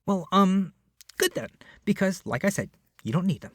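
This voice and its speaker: A man performing an ASMR roleplay as a doting, awkward, possessive young male kidnapper, speaking softly and hesitantly. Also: sits high, big pitch swings, normal speed, no echo, clean studio sound. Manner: soft, hesitant, rambling, often dropping to a whisper. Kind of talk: ASMR roleplay addressed to the listener.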